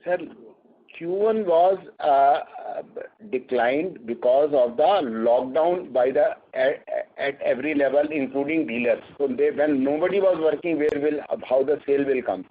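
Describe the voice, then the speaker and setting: Indian man on a tinny phone line. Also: fairly high pitch. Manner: halting, repeats words. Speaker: company executive on an earnings call. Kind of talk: answering analyst questions.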